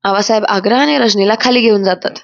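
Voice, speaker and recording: A woman's voice: medium pitch, fast, gravelly, no echo. A woman narrating a dramatic serial episode recap in an emphatic voice-over. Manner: emphatic storytelling. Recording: dull, dry voice-over.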